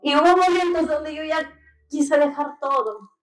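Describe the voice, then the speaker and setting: Her voice sits high and unhurried as soft music plays in the background of an echoey church hall. The young Peruvian woman, a member of the church, shares a heartfelt, tearful testimony and calls the listeners brothers.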